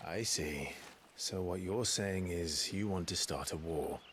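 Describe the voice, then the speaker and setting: An actor playing a guarded, brooding young warrior in a video game, speaking tersely with quiet intensity. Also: male voice, measured pace, slight background noise. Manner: terse, low-key, intense. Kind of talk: video game cutscene voice acting.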